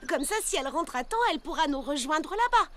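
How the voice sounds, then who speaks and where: A woman's voice: high voice, expressive, quick pace, very noisy. A woman voicing a friendly, helpful young girl in a French children's cartoon dub.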